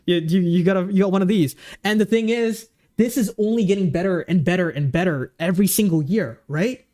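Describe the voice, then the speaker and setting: A goofy, easygoing man in his 20s chats casually on a livestream, rambling with plenty of fillers and restarts. His voice is high and fairly quick, with a darkish tone.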